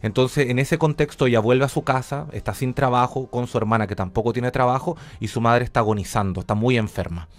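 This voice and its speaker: Male interview guest, Chilean accent, medium pitch, conversational, explanatory, wanders off on tangents. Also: fairly quick, hardly any pauses. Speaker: interview guest, radio drama director.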